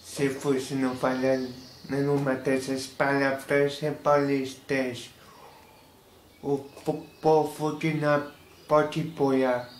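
A man's voice: medium pitch, flat delivery. A young man with a Carioca accent, talking casually to the camera in a small room and explaining slang word by word. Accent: Carioca Portuguese. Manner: slow, halting, explaining word by word. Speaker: YouTuber. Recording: roomy echo, faint hiss.

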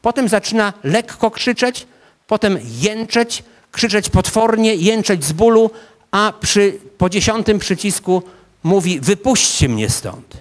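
A man's voice: high voice, expressive, measured pace. A man in his fifties, a psychology professor, giving a public lecture to a seated audience and talking them through a scene as a vivid story, with frequent hesitation fillers, on a handheld microphone in an ornate hall.

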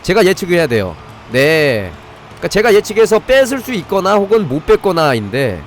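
A man hosts a live game stream, reviewing and commenting on the game, walking through it step by step and breaking off to chat with viewers. His voice is high-pitched and a little fast, with big pitch swings, and faint music plays behind him.

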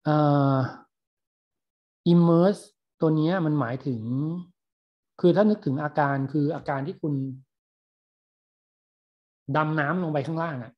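A man's voice: fairly high pitch, slow, pauses often, muffled recording. A male university lecturer in a recorded online lecture, patiently explaining English words in Thai between clips.

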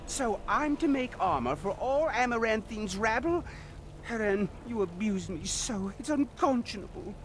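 A man's voice: lively intonation, unhurried. A man voicing a put-upon, haughty master armorer who complains his way through a fantasy video game. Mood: indignant. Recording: game audio with rumbling background noise.

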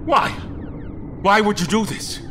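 An actor playing a proud, obsessive space admiral in an audio drama, betrayed and grim, with intense dramatic delivery. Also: male voice, high voice, expressive, measured pace, background noise. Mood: outraged, commanding. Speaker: lead actor and narrator. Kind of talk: audio drama acting and first-person narration.

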